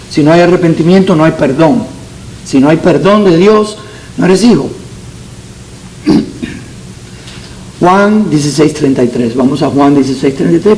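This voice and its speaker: Man, born in Cuba, pastor, Bible class, mellow tone, repeats key phrases. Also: fairly high pitch, slight background noise, low-quality recording. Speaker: pastor teaching Sunday school.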